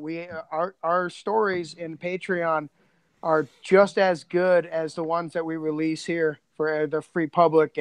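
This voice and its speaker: High voiced guy doing casual podcast chat, jokey n animated, really dry sound. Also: clear, resonant tone, no room sound. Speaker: podcast co-host and producer.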